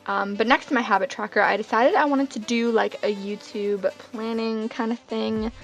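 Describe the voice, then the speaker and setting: A young woman with a hoarse, sickly voice narrating a casual journal setup, rambling and self-deprecating with lots of fillers. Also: a little high, fairly even intonation, normal speed, faint music behind, rough recording. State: hoarse, getting over being sick. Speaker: bullet journal vlogger.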